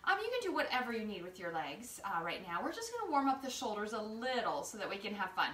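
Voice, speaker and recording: Across a living room, a distant camera mic picks up a woman teaching a yoga class at home, her step-by-step cues playful, informal and encouraging. Her voice is medium in pitch, very animated, quick and sharp. The indoor sound is roomy.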